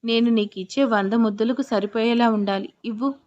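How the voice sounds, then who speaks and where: A woman's voice: on the high side, steady tone, brisk, darkish tone, dull audio, close to an everyday voice. A woman voicing a playful, loving young husband in an audio story, talking in a teasing, affectionate way. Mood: teasing fond. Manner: teasing, then apologetic.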